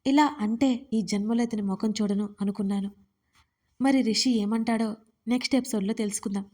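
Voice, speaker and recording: Mellow-voiced woman narrating a story. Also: medium pitch, brisk. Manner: expressive, conversational storytelling. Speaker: writer and narrator. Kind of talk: first-person audio story narration.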